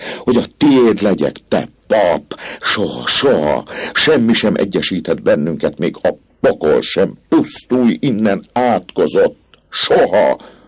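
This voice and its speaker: A man with a gravelly, husky voice reading an audiobook and voicing a proud, defiant young gypsy woman who is shrill, cold and scornful. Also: darkish tone, no echo, heavily acted.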